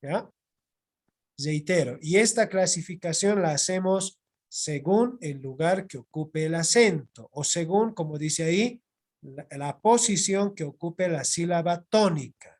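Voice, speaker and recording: Bolivian male teacher, high-pitched, slow and repetitive, online class on a computer mic. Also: animated, darkish tone. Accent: Bolivian Spanish. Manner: slow, repetitive explaining with checking "¿ya?". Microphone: computer mic on video call.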